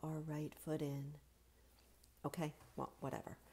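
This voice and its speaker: A woman's very deep, low voice, dark and mellow in tone, somewhat breathy, with monotone, flat intonation. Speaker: yoga teacher and teacher trainer. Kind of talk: casual talk to camera, instructional talk. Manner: mimicking the sultry whispery yoga teacher voice briefly, then chatty and amused.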